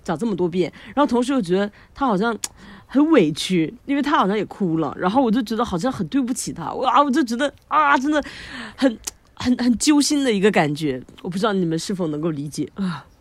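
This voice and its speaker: A woman co-host recounting a story in casual chat, lively and quick to laugh between sentences. Her voice sits at a middling pitch. The recording is dry, with no room sound. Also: dry recording. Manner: animated, frequent laughter, many fillers. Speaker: podcast co-host.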